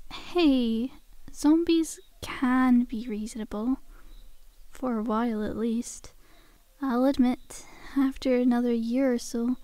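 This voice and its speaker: In an ASMR roleplay, a woman with a slightly high, warm voice plays a friendly, sly zombie girl. She coaxes a survivor in a chummy, casual, faux-innocent manner, sounding persuasive, and there's no room sound.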